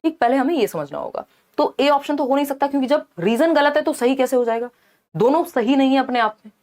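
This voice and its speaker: High-voiced woman teaching an exam lesson. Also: animated, quick pace, a little mellow. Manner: explains by rephrasing and asking rhetorical questions.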